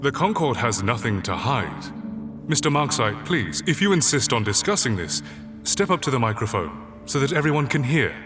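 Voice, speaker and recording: An actor playing a stern, controlled authoritarian leader who speaks in a measured, pompous, formal public-address manner. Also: male voice, mid-range voice, big pitch swings, natural voice. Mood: controlled, placating. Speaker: presiding official. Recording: long hall reverb, faint music behind.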